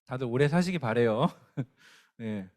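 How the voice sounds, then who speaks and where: A man's voice: medium pitch, animated, slow, a little mellow. A man preaching a youth sermon, earnest and emphatic, often asking the listeners questions. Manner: earnest, emphatic, speaking directly to teens with questions. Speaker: youth pastor.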